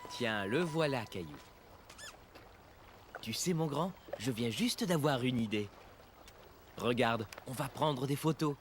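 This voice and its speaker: A man's voice: mid-range voice, lively intonation, takes it slowly, pauses often, slight background noise. A man playing a helpful, patient cartoon father who explains things encouragingly. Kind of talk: cartoon dubbing.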